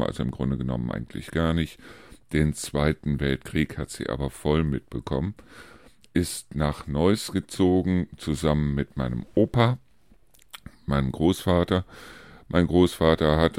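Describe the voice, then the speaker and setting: A man in his late fifties from Germany talks through a casual podcast monologue in an extremely low, bass-heavy voice. He rambles from one point to the next, pausing often to hesitate. The recording is dry and close, with no room sound. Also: darkish tone, clean tone, no echo. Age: 50s. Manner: rambling, chatty, frequent hesitation fillers. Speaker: podcast host.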